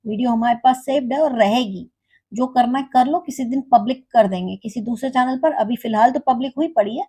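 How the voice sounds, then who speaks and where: A young woman talks over a reaction video in a high, husky voice, mocking and scolding the people she watches. Her tone is soft and mellow rather than bright. Now and then she slips into English. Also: a little fast. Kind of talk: sarcastic reaction commentary.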